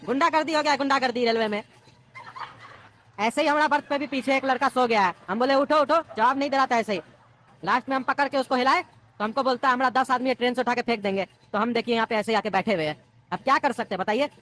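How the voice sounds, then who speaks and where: A scheming, grumbling father in a cartoon comedy, voiced by a woman. He talks fast. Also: on the high side, a bit bright, a little hiss or hum, close to an everyday voice. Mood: complaining. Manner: complaining, quick-tempered. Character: scheming ticketless father, grown man.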